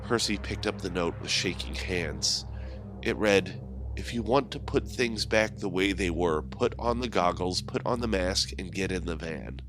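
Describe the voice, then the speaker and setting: A man reading a scripted horror story as its narrator, in a measured, dramatic way. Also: sits low. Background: music behind the voice.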